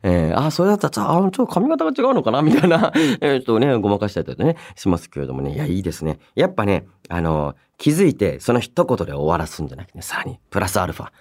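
Racing along with few pauses, a man in his 30s with a fairly low, darkish voice and huge pitch swings hosts a casual radio show. Over background music in the studio, he reads listener mail politely but loosely and keeps chuckling at himself as he chats playfully.

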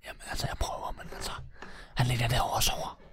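A man's voice: mid-range voice, steady tone, darkish tone, close to an everyday voice. A man playing a nervous, stammering male burglar sidekick in an improvised comedy radio play. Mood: whispering. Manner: hesitant, stammering, fretful.

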